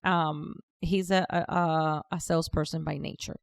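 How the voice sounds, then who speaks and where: A woman's voice: low-pitched, fairly even intonation, moderate pace, gravelly, no echo. A woman in her forties with a Cuban Spanish accent and Spanish as her first language, chatting as a podcast guest. She talks freely, often restarts her sentences and laughs easily. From Cuba. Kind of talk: casual interview conversation.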